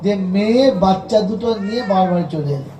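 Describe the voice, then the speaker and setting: A man's voice: sits high, animated, quick pace, dark tone, echoey room, low-quality recording. A man preaching an Islamic sermon, telling a family story with acted dialogue and firing rhetorical questions at the listeners.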